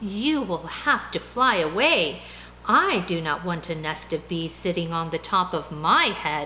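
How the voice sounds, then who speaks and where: Over clear background noise, a woman does a put-on character voice at a fairly slow pace. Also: fairly low pitch for a woman. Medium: read story. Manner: calm, reasoning.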